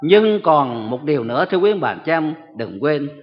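A man preaching a sermon slowly and emphatically, often turning to address his listeners, in a church hall on a dull, echoey recording. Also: fairly high pitch, very animated.

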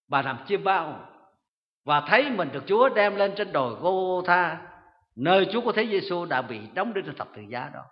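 A man preaching an earnest sermon to his congregation in a church, in a dull recording with long reverb. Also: high-pitched. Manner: earnest exhortation, repeated address to congregation. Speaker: pastor.

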